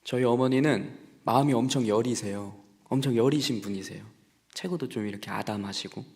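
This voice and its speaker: A young adult pastor delivers a sermon in a church sanctuary, preaching conversationally with stories and questions for the congregation. His mid-range voice is fairly quick and darkish, and the church hall adds a long reverb.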